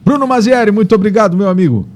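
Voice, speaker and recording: A man's voice: high voice, fast talker, a little mellow. A man hosting a morning news show, commenting in a conversational way, often tagging his sentences with questions. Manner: conversational, frequent "né?" tags and repetitions. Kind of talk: casual on-air commentary.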